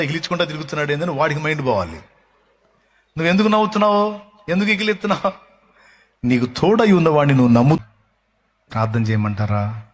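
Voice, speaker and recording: A man's voice: medium pitch, a little hiss or hum. A male pastor preaching a sermon, fervent and chatty by turns, teasing the congregation. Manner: fervent, rising to loud sung lines, then chatty and teasing.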